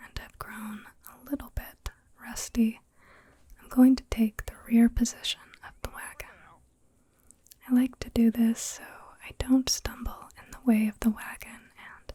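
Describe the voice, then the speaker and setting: Soft-spoken and high-pitched, a woman talks at a fairly slow pace in a dark, mellow tone. Her intonation is monotone and flat, with long, frequent pauses and big swings in loudness. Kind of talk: gaming ASMR commentary.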